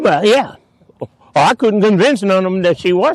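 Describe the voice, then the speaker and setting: A man with an American accent talks in a high pitch with lively intonation. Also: dry, close sound with no echo. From Washington, D.C. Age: 80s+. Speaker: war veteran. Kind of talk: interview answer. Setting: outdoors.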